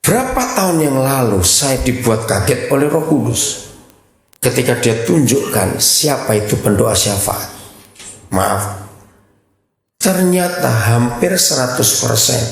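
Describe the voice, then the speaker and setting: Blunt preacher man in an echoey hall. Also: creaky. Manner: blunt and emotional, swings between low asides and shouted mimicry. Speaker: pastor. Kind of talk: sermon.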